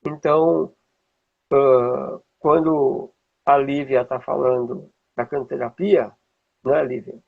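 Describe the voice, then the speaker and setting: A Brazilian man with a husky, gravelly voice, teaching informally and checking in with rhetorical questions, as a music teacher would. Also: mid-range voice, fairly even intonation, slow pace, narrow, tinny audio. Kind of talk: informal explanatory talk with demonstrations.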